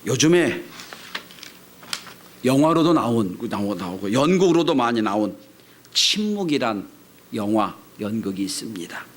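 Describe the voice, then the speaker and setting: A man preaching a Sunday sermon as pastor, swinging between loud cries and hushed, whispered lines. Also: lowish voice, sing-song, a little slow, pauses often, slight background noise.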